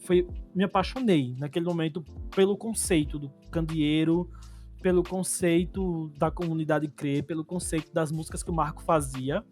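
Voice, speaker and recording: A man from Paraíba with a Northeastern Brazilian accent, co-hosting a podcast and telling stories in an animated, laughing way. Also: fairly high pitch, normal speed, soft background music. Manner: animated storytelling, laughs often. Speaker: podcast co-host. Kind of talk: casual chat.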